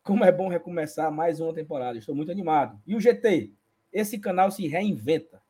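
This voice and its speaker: A man's voice: on the high side, animated, fairly quick, warm tone, husky. A man, co-hosting a casual fan show and playfully reading viewer comments aloud. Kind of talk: casual live-stream chat.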